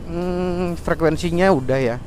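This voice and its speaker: Riding through traffic outdoors, a man gives a chatty gear review on his motorbike and refers to himself in the third person. He speaks on the high side with a darkish tone and measured pace, recorded through his helmet intercom mic, with faint road noise in the background.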